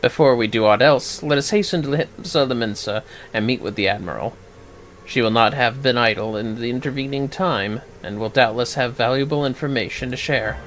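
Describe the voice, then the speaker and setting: A man voicing an earnest, formal fantasy leader from a game, reading archaic dialogue in a theatrical, deliberate way. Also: medium pitch, fairly bright tone, lightly acted, poor audio.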